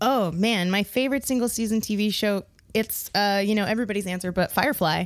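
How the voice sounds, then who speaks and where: A woman with an American accent speaks fairly quickly at medium pitch, with ordinary pitch variation and very even loudness. The recording is very clean, with a silent background. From Southern California, Long Beach. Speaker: comedian. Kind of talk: casual chat.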